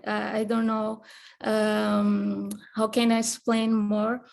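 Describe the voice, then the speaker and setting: A woman student, asking a question haltingly and searching for words in English. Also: medium pitch, completely flat delivery, vocal fry, a little mellow. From Portugal. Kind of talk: asking a question in an online session.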